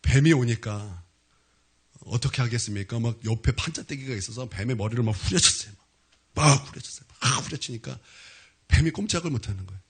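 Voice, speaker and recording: A man's voice: mid-range voice, animated, a little fast, husky. A man preaching a sermon as pastor, telling a story vividly and with animation.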